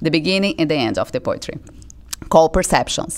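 Against a quiet background, a woman speaks with a Brazilian accent in a fairly low pitch. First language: Portuguese. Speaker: artist and poet. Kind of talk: presentation with poetry readings. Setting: live talk with audience. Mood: emotional, smiling. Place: stage. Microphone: studio mic.

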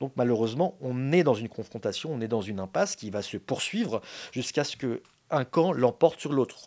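A man speaks fairly quickly and with lively intonation against a quiet background. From France, Iranian parents. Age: 30s. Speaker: journalist; guest. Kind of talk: interview. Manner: hesitant, many fillers. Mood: calm, analytical. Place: studio. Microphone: studio mic.

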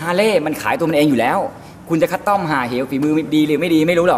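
The speaker uses lively intonation over light background noise. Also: man. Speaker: show host. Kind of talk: casual conversation. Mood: passionate, opinionated. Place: workshop.

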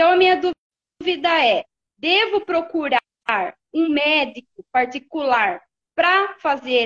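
A woman speaks at an extremely high pitch. The background is quiet. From interior of São Paulo state, Brazil. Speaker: viewer asking a medical question. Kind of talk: live Q&A. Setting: Instagram live stream. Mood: worried, uncertain. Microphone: phone near.

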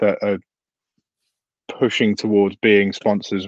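At a moderate pace, the voice comes through dry with no echo against a quiet background. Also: man. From UK. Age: 30s. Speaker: travel photographer; guest. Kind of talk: live-stream interview. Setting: video call live stream. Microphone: video call.

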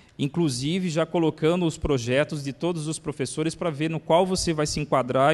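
Fairly high-pitched male voice, fairly even intonation, moderate pace. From interior of São Paulo state (Tatuí region); São Paulo state, Brazil. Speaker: math teacher; teacher giving a conference talk. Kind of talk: conference talk. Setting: conference hall with audience. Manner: halting, many fillers. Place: hall. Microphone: handheld.

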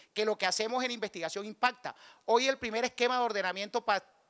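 Very fast speech from a man, background quiet. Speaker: university rector. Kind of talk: speech to faculty. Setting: auditorium with audience. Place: hall. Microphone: podium.

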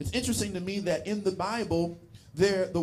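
There is noticeable background noise. A man talks over it. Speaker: preacher. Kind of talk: sermon. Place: church. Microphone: handheld.

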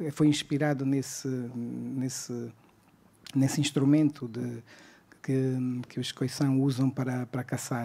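Speaking at a very slow pace, a man keeps a monotone, flat intonation broken by long, frequent pauses. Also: medium pitch for a man. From Angola. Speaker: embassy cultural attaché; audience member commenting. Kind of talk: formal remarks at book launch. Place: hall.

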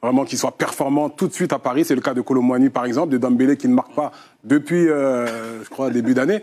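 A medium-pitched man's voice, dark and mellow in tone, in a very clean recording with a silent background. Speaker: football pundit. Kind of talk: TV debate. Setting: studio.

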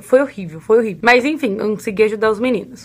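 Here is a woman with a São Paulo accent. Her pitch sits fairly high and varies in an ordinary way. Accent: Brazilian Portuguese, paulistano. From Brazil, São Paulo city. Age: 20s. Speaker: au pair; guest. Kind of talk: personal storytelling. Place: home room. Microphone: webcam.

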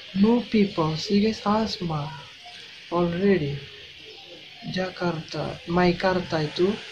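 A woman with a Bengali accent speaks at a very slow pace with long, frequent pauses, her pitch fairly low with ordinary variation. Music plays in the background. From Bangladesh. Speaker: YouTube reaction vlogger. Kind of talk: video reaction commentary. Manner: animated.

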